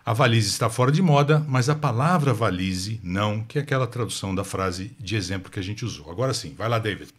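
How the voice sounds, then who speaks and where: A lively, chatty man with a São Paulo Portuguese accent hosts a relaxed language podcast. His voice sits a little low and has a husky edge. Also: fairly quick, hardly any pauses. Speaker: host. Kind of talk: casual chat.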